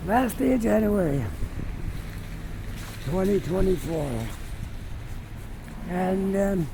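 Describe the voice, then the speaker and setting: A man with a head cold and a raspy voice, chatting slowly as he walks through a city street filming a vlog. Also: sits high, animated. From Canada. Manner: slow, chatty, drawn-out phrases. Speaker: walking vlogger. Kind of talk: casual walking commentary. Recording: street noise and traffic behind.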